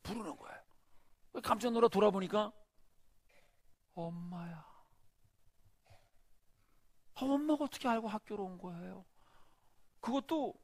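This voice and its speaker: Gravelly middle-aged man telling a story. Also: sits high, no echo. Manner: animated storyteller, acts out the scenes. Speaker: pastor. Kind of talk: sermon storytelling. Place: church.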